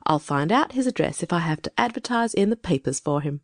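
A woman voicing a stern, sharp-tongued older farm wife who scolds in a grim, clipped way. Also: on the low side, animated, brisk, no room sound, clean studio sound, voice pushed down, close to an everyday voice.

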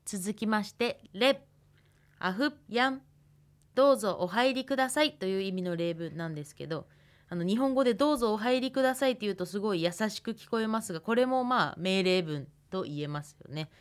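A woman, teaching a radio language lesson patiently and pausing to think aloud. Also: mid-range voice, lively intonation. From Hokkaido, Japan. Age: 20s. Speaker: language instructor.

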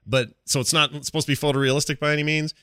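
A middle-aged man co-hosting a podcast, chatting casually and enthusiastically about games with animated, slangy storytelling. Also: a little high, racing, clean tone, no room sound, clean studio sound. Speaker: podcast co-host. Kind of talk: casual enthusiastic gaming chat.

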